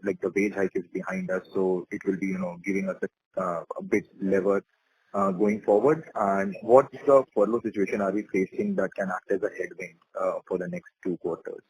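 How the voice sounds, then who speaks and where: Low, husky male analyst. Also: steady tone, normal speed, darkish tone, no room sound, poor audio. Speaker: analyst asking questions. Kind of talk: questioning on an earnings call.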